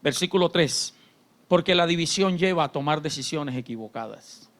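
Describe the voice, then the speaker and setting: A man pastor, preaching a sermon in church. His delivery swings between shouted fervor and quiet, confiding talk. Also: on the high side, expressive, moderate pace. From Colombia. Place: church sanctuary.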